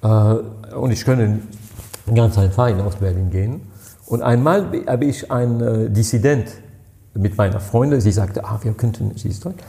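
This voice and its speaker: Halting older man with a French accent. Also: lowish voice, vocal fry, mellow. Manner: halting, searching for words, many fillers. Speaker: party president, guest. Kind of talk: interview answers, storytelling.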